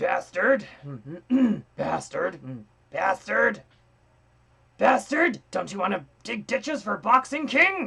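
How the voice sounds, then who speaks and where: A put-on character voice at a fairly high pitch, at a fairly slow pace with long, frequent pauses. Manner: shouting, aggressive.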